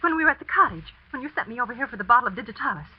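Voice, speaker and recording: A woman's voice: a little high, expressive, slightly rough. A breathless, eager young woman. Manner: quick, breathless explaining. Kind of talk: 1940s radio acting. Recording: muffled 1940s radio broadcast.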